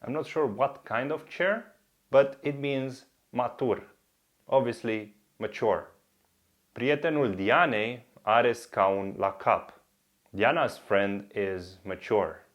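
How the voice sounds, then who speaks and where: A man's voice: mid-range voice, takes it slowly. A man whose first language is Romanian, presenting a scripted language lesson in English, upbeat and teasing, laying out the steps one by one. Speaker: language teacher.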